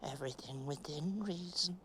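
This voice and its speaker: An actress playing a chattering, stoic middle-aged woman buried in the earth, speaking a slow, halting stage monologue. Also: low voice, a bit bright, slight background noise. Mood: wistful musing. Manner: slow, deliberate, halting delivery with long pauses. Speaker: actress in a filmed stage play.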